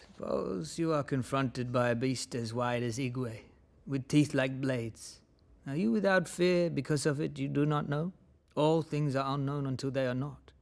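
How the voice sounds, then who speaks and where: A man's voice: mid-range voice, unhurried, creaky, darkish tone. A man playing a wise old tribal elder, firm and fatherly, at a table read of a fantasy drama. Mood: wise, measured.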